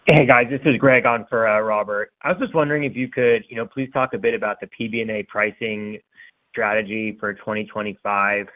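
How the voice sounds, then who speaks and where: A man's voice: on the low side, steady tone, a little fast. A man asking questions as a financial analyst on an earnings call, casual and polite. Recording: thin, narrow phone line.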